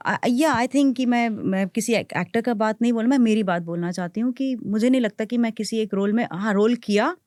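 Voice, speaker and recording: A woman's voice: medium pitch, no room sound, clean studio sound. A woman actress, a guest in a podcast interview, telling stories and switching freely between Hindi and English. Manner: animated, acts out others' quotes.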